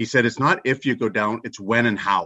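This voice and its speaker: A man talks at a fairly quick pace with a Canadian accent, his tone bright and sharp. His intonation stays fairly even, and the sound is dry and close with no echo. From southwestern Ontario, Canada. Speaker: retired hockey goalie. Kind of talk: interview.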